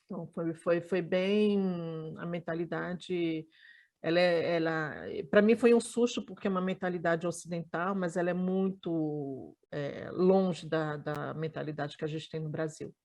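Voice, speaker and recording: Woman in her 40s from Brazil, interview, low voice, warm tone, halting with restarts. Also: steady tone. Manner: thoughtful, halting, many restarts. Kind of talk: life-story interview.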